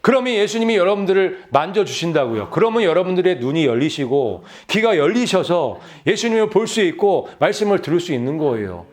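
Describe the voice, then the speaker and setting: High, lively-voiced man preaching. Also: fairly quick, hardly any pauses. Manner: exhorting, with rhetorical questions and repeated phrases; addresses the congregation directly. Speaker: pastor. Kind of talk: sermon.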